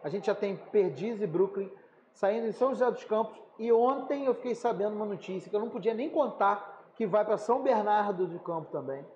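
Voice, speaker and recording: High, mellow-voiced Carioca host. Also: male voice, expressive, a little fast. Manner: jokey, hyped promos. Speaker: chef, podcast co-host. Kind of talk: casual podcast chat. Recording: roomy, muffled room, faint noise.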